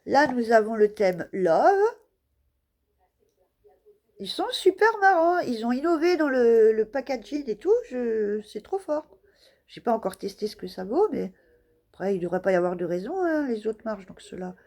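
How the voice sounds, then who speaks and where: A woman's voice: on the high side, big pitch swings, moderate pace, darkish tone. A woman casually showing craft stamps in a vlog, talking hesitantly with many fillers and laughing at her own guesses. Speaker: scrapbooking vlogger.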